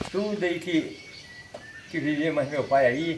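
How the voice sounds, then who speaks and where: Audible room echo surrounds a man's fairly high-pitched voice. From rural Goiás, Brazil. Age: 60s. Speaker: local farmer. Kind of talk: casual interview. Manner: halting.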